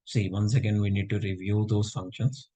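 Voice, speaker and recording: A man's voice: lowish voice, flat delivery, moderate pace, warm tone, husky. A man teaching a live online class, feeling unwell and checking in with students often. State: unwell, low voice. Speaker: instructor.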